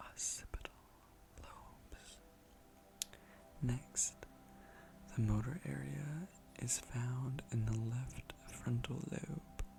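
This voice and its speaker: A man is whispering. He speaks at a very slow pace. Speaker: ASMR creator and student. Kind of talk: ASMR study-session reading of medical terminology. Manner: soft-spoken, whispering, slow and relaxing.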